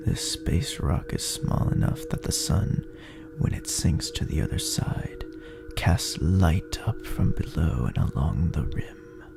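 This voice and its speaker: A man narrating a dark horror story in a brooding, theatrical, gravelly voice that often drops toward a breathy near-whisper. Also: extremely low pitch, lively intonation, slow, loud music behind the voice. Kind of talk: dramatic horror story narration in second person.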